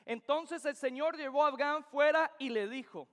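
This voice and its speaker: A man's voice: very high voice, moderate pace. A young man from Venezuela, preaching an earnest, emphatic sermon that repeats key phrases. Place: church sanctuary. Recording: reverberant church hall.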